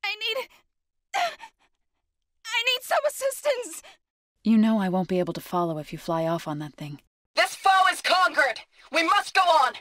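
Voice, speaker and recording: A resolute tribal woman warrior and healer from a video game. She speaks with earnest conviction in measured, formal phrasing. The recording is close and dry, with no room sound. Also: high voice, wildly swooping pitch, fairly bright tone, no room sound, heavily acted. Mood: urgent battle shouting. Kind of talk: game character voice lines.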